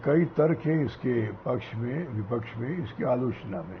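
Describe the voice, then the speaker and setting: A man's voice with audible room echo. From Andhra Pradesh / Telangana, India. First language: Telugu (speaking Hindi). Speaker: senior journalist. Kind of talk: TV interview.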